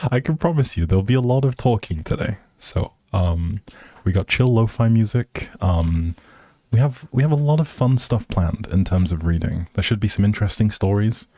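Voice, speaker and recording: Man, dark relaxed tone, dry close recording, casual livestream host, hesitant and rambling, appreciative. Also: deep voice, no echo. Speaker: live streamer, host. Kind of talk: casual livestream chat with viewers.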